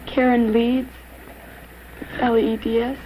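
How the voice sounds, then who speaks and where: An actress playing a shaken, hesitant nineteen-year-old victim speaking haltingly in a 1970s training film. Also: female voice, on the high side, level tone, a crowd in the background, close to an everyday voice. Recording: faintly noisy old film soundtrack.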